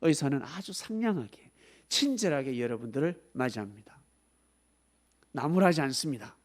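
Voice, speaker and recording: A man's voice: medium pitch, moderate pace. A man preaching a sermon at a youth service, asking the students questions and calling on them by name. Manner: animated, acts out scolding voices, asks the listeners questions. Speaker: pastor.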